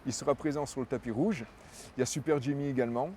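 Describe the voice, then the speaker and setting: A man's voice: medium pitch, steady tone, fast, warm tone, a little hiss or hum. A man, a festival director, answering interview questions in a fluent, promotional way, repeating words as he thinks.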